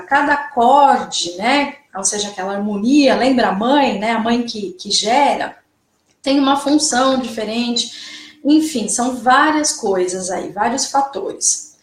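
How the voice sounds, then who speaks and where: A woman's voice: fairly high pitch, roomy sound. A woman and singing teacher explains music theory in an online lesson, checking in with her students all the time. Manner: didactic, checks in often with "né?" and "certo?".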